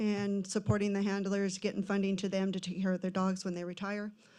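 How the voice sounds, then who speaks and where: A woman of medium pitch with monotone, flat intonation. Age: 60s. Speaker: commission applicant, business owner. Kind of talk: public comment at city council meeting. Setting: city council chamber.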